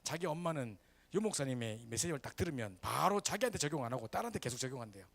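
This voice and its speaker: A man's voice: mid-range voice, rapid-fire, creaky. A male pastor, preaching a sermon in a church and often checking in with the congregation. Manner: lively, animated preaching with frequent "그죠?" asides to the congregation. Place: church sanctuary.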